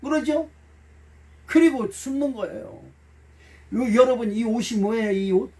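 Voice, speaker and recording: An extremely high-pitched yet darkish voice belongs to a middle-aged pastor who preaches a little slowly, far from the mic in a church sanctuary. Folksy and emotional, he acts out small dialogues and aims blunt jokes at the congregation.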